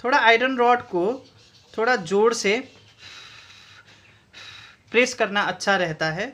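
A man with an Indian accent walks through a DIY battery build, mixing Hindi and English as he explains each step. His voice is bright, and he talks slowly and deliberately. He records on a phone held over his workbench. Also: high voice. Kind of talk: DIY tutorial. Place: indoor workbench.

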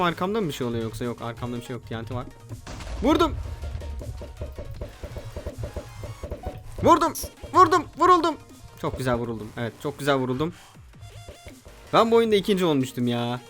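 Excitable young man commentating a game. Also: medium pitch, rapid-fire, faint music behind. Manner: excitable, swears and shouts at opponents. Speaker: gaming channel host. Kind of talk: casual let's play commentary.

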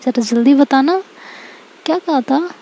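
A woman's voice: high voice, a little slow, warm tone. A woman voicing a playful, teasing young woman in a spoken love story. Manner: teasing, giggly.

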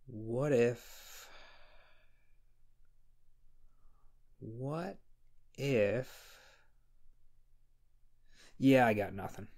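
A man playing a shy, flustered, insecure young scriptwriter in an intimate ASMR roleplay, speaking hesitantly with a husky, creaky voice. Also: medium pitch, a little mellow. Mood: stuck, discouraged. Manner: hesitant, halting. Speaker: audio roleplay performer. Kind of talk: ASMR roleplay, intimate one-sided dialogue.

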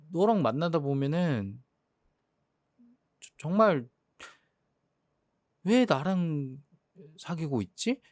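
Actor as a sulking jealous young boyfriend, slightly high voice, very dry close mic. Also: male voice, no room sound. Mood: hurt. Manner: sulky, hurt, exasperated complaining. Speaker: jealous boyfriend in role-play. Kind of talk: boyfriend role-play drama.

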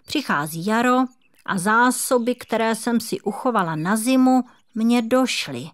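Female reader as a warm-hearted squirrel in a storybook; gentle, encouraging, motherly. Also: on the high side, animated, lightly acted. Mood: cheerful. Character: cheerful, kind rust-red female squirrel. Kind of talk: children's audiobook reading.

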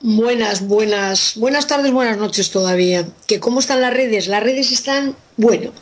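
Woman, somewhat high voice, cheerful, chatty, radio co-host reading out listener messages. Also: measured pace, a little hiss or hum. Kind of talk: radio show segment.

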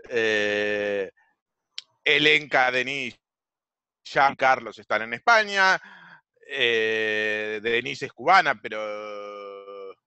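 A man in his forties with an Argentine Rioplatense accent, giving a virtual coaching class on a video call with a headset, halting with many fillers and repeated words. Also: mid-range voice, sharp tone, smooth, dry recording. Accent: Rioplatense Spanish. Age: 40s. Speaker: online business coach. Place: home room on a video call.

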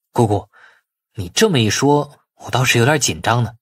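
A man's voice: medium pitch, lively intonation, normal speed, husky, dry recording. A man voicing a polite, curious nephew in an audiobook drama, deferential and questioning in manner. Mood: amused, modest. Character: polite, curious younger nephew, a company chairman.

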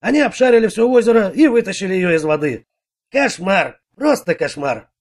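A man voicing an irritable middle-aged bricklayer who answers the police in a gruff, defensive way. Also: high voice, animated, normal speed. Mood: recounting.

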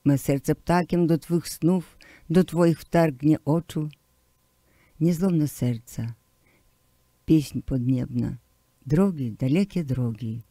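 Man reading poems for radio, slow and declamatory, mellow dark tone, dry close sound. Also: on the high side, no room sound. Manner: slow, declamatory recital with swelling emphasis. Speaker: poetry reader. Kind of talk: poetry recitation.

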